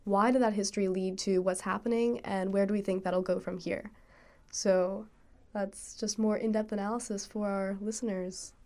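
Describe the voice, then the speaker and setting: A woman's voice: medium pitch, fairly even intonation, moderate pace, a little mellow. A young woman from Maryland, a student co-hosting a podcast, speaking in a friendly, thoughtful casual way. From Annapolis, Maryland. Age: young adult. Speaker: podcast co-host.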